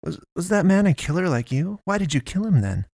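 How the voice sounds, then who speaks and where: A frightened young woman who stammers and pleads in a high, tight voice, as a male narrator plays her. The recording is dry and close. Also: animated, normal speed, no echo. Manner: breathless, stammering.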